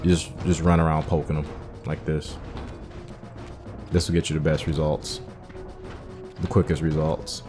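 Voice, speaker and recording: A young man with a very low voice talks through gameplay in a relaxed, explanatory way, dropping fillers as he goes. Faint game music sits underneath. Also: normal speed, pauses often. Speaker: gaming channel host. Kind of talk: casual gameplay commentary.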